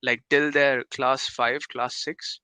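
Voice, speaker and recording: A man's voice: mid-range voice, little pitch movement, takes it slowly, pushed and bright, clean tone, dry recording. A young man from India with an Indian English accent, chatting casually on a podcast, hesitant with many fillers and restarts. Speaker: podcast co-host.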